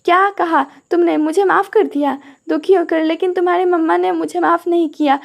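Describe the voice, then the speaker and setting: A gentle, doting older brother, as a woman narrator reads him in an audio story. The voice is very high with a gravelly edge and little rise and fall. He coaxes softly. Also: steady tone, fairly quick. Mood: coaxing. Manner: soft coaxing apologies.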